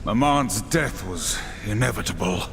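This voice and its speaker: A man's voice: fairly low pitch, lively intonation, unhurried, noisy background. An actor playing a grave, stern horseman warrior in a game cutscene, speaking in a terse, solemn, commanding way. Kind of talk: video game cutscene acting. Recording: long reverb under loud music.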